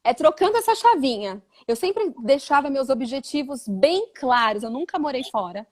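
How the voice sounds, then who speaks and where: A Brazilian woman who teaches English chats casually in an interview, her voice sitting high at a moderate pace. She's animated and acts out the voices of people she quotes.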